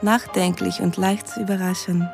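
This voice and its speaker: A woman's voice: mid-range voice, steady tone, normal speed, gravelly, darkish tone, soft background music, lightly acted. An actress playing a cheerful young Russian woman reading her romantic letters aloud in stilted, ungrammatical sentences in a radio drama. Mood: cheerful, sincere.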